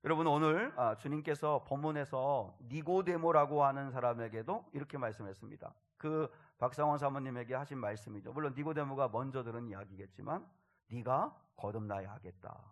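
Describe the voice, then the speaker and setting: A male pastor delivering a sermon in a mid-pitched voice. He tells the story earnestly, letting his voice sink low and quiet and then rise with more force. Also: a little fast, few pauses. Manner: earnest storytelling, soft drops and swells in loudness.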